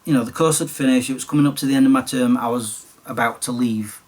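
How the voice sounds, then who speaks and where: A man in his late forties with a Sheffield accent, chatting casually and self-deprecatingly about his past, his voice slightly croaky. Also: mid-range voice, fairly even intonation, quick pace, distant mic. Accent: Sheffield English. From Sheffield, England. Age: late 40s. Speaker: YouTuber. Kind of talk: casual storytelling monologue.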